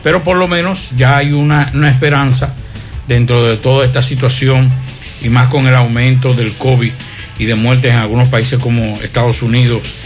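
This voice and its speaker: A Dominican male radio host comments on the news off the cuff. His voice sits at a medium pitch, with light music playing behind it.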